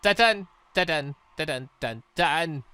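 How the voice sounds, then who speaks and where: A man with a high, bright voice hosts a let's play, mixing reading aloud with off-the-cuff reactions. His delivery is animated and swings widely in pitch. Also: slow, smooth, no echo. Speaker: gaming video host. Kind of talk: let's play commentary mixed with reading a visual novel aloud.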